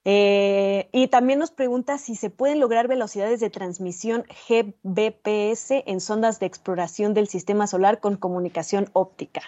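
A woman hosts a radio interview in a warm, conversational way. She relays listener questions and thanks her guest at a steady, middle pitch. The broadcast sound is a bit dull and muffled. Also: moderate pace, hardly any pauses. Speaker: radio host.

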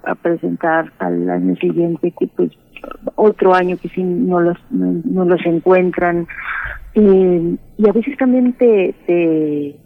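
A woman's voice: fairly low pitch, vocal fry, no room sound. A woman journalist with a Mexican accent, answering in a radio interview and often stopping to search for her words. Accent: Mexican Spanish. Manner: halting, searching for words, many restarts. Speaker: journalist and former teacher. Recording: tinny phone-line sound, dry.

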